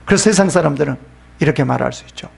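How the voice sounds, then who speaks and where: A man's voice: on the high side, rapid-fire, vocal fry, slightly rough. A male pastor preaching a sermon, asking the congregation questions and answering them himself, often dropping to a whisper.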